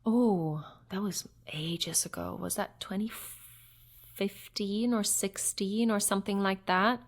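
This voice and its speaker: A woman's voice: mid-range voice, fairly even intonation, takes it slowly. A woman in her thirties from Norway, an actress chatting as an interview guest, reflective and full of fillers and restarts. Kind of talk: casual interview chat.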